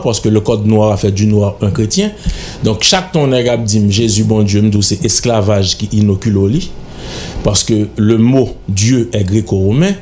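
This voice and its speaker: Into a studio mic on a stand, a middle-aged man with a Haitian accent and a mellow, low-leaning voice gives an emphatic, insistent, lecturing performance as a radio interview guest. A little hiss or hum can be heard.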